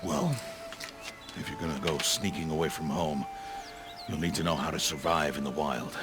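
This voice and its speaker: A low-voiced, middle-aged tribal hunter speaks in a video game drama over prominent music. He is a stern, protective guardian, giving measured, formal instruction to a child. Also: animated. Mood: stern, instructive.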